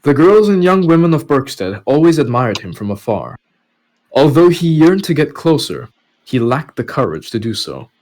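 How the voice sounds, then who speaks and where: A man's voice: a little high, very animated, normal speed, a little mellow, low-quality recording. A man narrating a web novel chapter as a podcast host, reading scripted prose aloud. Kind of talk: story narration with casual asides.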